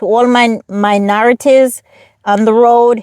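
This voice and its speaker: Someone speaks at a very slow pace, the sound dry and close with no echo. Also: woman. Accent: Jamaican. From Jamaica. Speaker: travel vlogger. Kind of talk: casual vlog monologue. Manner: halting, repetitive.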